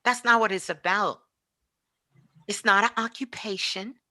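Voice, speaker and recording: A woman's voice: medium pitch, steady tone, a little slow, pushed and bright. A woman giving an impassioned spiritual talk as a guest teacher, emphatic and repetitive like a preacher.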